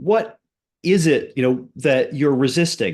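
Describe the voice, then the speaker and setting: With an American accent, the speaker talks at a fairly slow pace over a quiet background. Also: man. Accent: American accent, kept. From Vermont, northeastern US. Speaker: co-op and sociocracy advocate. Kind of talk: interview conversation.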